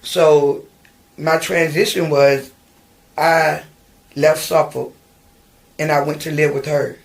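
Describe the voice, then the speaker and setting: With a low, flat delivery, slow pacing and vocal fry, a middle-aged woman from Virginia tells her life story on a podcast. Recorded in a studio, the interview finds her frequently saying um and restarting her sentences.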